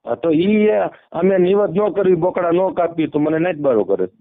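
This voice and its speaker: Male caller, slightly high voice, Saurashtra Gujarati accent, deferential, repetitive phrasing, tinny telephone audio. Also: animated, moderate pace. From Amreli district, Gujarat, India. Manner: deferential, repeats himself. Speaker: caller seeking help. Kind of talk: informal phone conversation. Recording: narrowband phone call audio.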